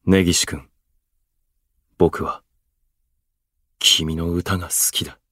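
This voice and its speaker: An actor playing an aloof, eloquent station worker in a voice drama, speaking in florid, pompous, unhurried phrases. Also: male voice, low-pitched, steady tone, bright, forceful tone, dry recording, clean studio sound, heavily acted. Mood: intrigued, sincere. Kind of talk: Japanese voice drama acting.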